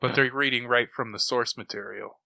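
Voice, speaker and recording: A man co-hosting a podcast, chatting casually in an animated, opinionated way. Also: medium pitch, a little fast, gravelly, dry recording. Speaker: podcast co-host. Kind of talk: casual chat about comic books and old radio shows.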